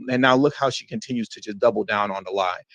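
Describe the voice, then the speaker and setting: A man's voice: fairly low pitch, quick pace, fairly bright tone, no echo, muffled recording. A man hosting a political commentary show, reading out news quotes and answering them with scorn and mocking emphasis.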